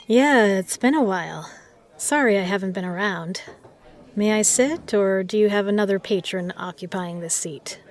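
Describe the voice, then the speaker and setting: A woman's voice: mid-range voice, natural voice. Woman playing a poised, particular bar regular. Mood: warm, flirtatious. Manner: measured, formal phrasing, self-assured. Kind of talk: scripted audio roleplay addressed to the listener.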